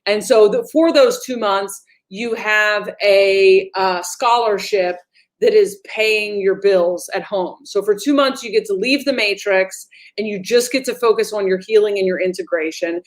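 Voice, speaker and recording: Woman channeler, casual livestream update, blunt and profane, rambling delivery, mid-pitched. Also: a little slow. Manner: reads viewer comments aloud. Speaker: spiritual channeler giving an energy update.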